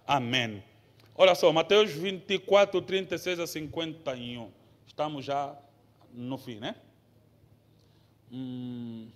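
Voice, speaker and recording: A man, a pastor teaching from the Bible who moves between easy explanation and forceful preaching, asking the congregation questions. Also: a little high, takes it slowly, pauses often. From Angola.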